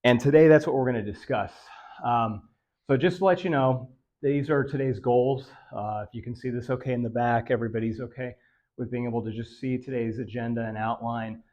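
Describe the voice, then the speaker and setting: A man presenting a health lecture to seniors in a meeting room, his voice raspy and nasal and a bit dry from allergies, talking in a monotone with many fillers. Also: mid-range voice, brisk, highs cut off. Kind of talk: live lecture to a senior audience.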